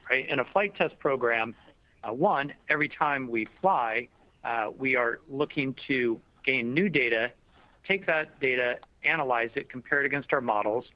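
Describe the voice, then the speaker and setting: A man speaking as a company executive, answering questions in a measured, diplomatic and explanatory way in a semi-formal business style. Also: mid-range voice, no echo. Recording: dull lo-fi conference call audio.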